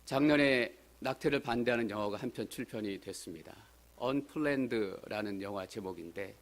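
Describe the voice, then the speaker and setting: A man preaching a Sunday sermon as a pastor, earnest and building to emphatic appeals. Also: mid-range voice. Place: church sanctuary.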